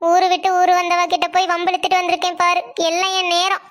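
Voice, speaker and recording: A woman's voice: very high voice, monotone, fast talker, fairly bright tone. A woman doing a scolding, fretful mother. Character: middle-aged scheming, scolding mother.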